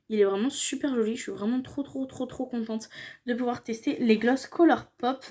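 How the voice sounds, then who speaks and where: A woman's voice: on the high side, a little mellow. A young woman chatting casually in a makeup haul vlog, gushing and repeating her praise. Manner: gushing, repeats "trop, trop beau". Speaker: beauty vlogger.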